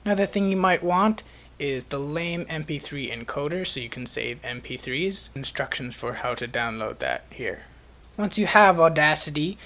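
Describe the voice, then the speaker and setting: In a step-by-step instructional screencast, a man with a somewhat high-pitched voice walks viewers through a piece of software.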